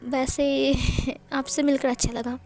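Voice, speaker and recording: A bashful young college boy who trips over his words and keeps correcting himself, as a woman reads him out. He comes across as flustered and eager, with a high voice. It is read as an amateur fan-fiction story. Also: level tone, slow pace, darkish tone, soft background music. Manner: stammering, flustered. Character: shy flustered young male college student.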